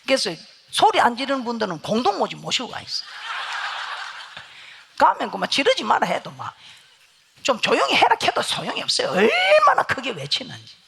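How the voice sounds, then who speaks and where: A woman preaching a revival sermon in a church with a Gyeongsang Korean accent, telling stories, loud one moment and hushed the next. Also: sits high, huge pitch swings, normal speed, vocal fry, long pauses. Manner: storytelling, swings from loud to hushed. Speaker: guest pastor. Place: church sanctuary.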